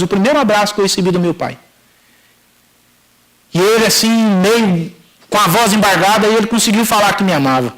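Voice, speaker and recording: A man's voice: sits high, a bit bright, low-quality recording. A middle-aged Brazilian man preaching a sermon, telling a personal story and acting out the dialogue as he addresses the congregation. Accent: Brazilian Portuguese. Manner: storytelling, acts out dialogue, addresses listeners as brothers. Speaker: pastor. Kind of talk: sermon testimony.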